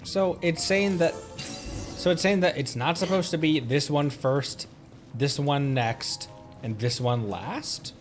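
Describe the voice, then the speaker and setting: A man streaming a game, playful and animated, talking casually as he thinks aloud. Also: a little high, slow, soft background music.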